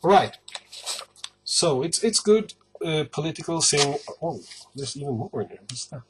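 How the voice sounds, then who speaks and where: A man from northern Sweden, with a Swedish accent, chats casually to the camera about his record collection, speaking in an unhurried, hesitant way with lots of pauses. His voice is fairly high with lively intonation, and the background is noisy.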